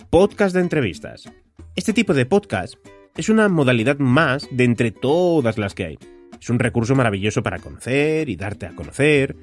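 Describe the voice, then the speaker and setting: Spanish man podcasting, animated intonation. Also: mid-range voice. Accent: Spain. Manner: direct address to listener with rhetorical questions. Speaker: podcast host. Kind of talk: conversational solo podcast monologue.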